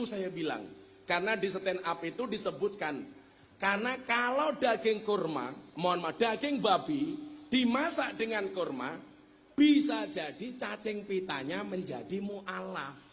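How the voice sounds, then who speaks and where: A man's voice: high voice, fairly bright tone. A man delivers a sermon full of jokes and storytelling. He moves easily between the national language and phrases. A faint ambient hum sits behind him. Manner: joking storyteller who slips into Javanese phrases. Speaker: Islamic preacher. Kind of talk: humorous sermon. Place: religious gathering before a live audience.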